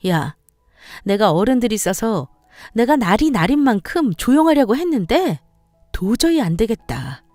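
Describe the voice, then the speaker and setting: Brief: a woman playing a sarcastic, domineering sister-in-law, pitched high and loud, lively and needling, dry close sound, faint music behind. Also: normal speed, no room sound. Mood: scornful. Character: sharp-tongued, sneering sister-in-law, a mother.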